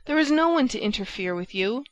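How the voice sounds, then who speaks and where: A woman's voice: medium pitch, fairly even intonation, moderate pace, a bit bright, dry recording, lo-fi sound, lightly acted. Woman reading as a jealous, bitter young man. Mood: pleading. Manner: impassioned, sarcastic outbursts.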